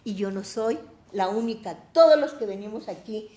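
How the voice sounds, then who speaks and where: Mexican woman, Bible study teacher, fervent testimony, mid-pitched, echoey church room. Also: lively intonation, moderate pace, mellow. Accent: Mexican Spanish. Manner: fervent, emotional, exclamatory preaching. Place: church hall.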